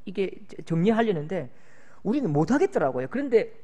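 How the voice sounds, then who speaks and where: A middle-aged man preaching with a voice that climbs and falls widely. He moves from hushed, low storytelling to loud, pleading cries. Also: very animated, fairly quick. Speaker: pastor. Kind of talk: sermon.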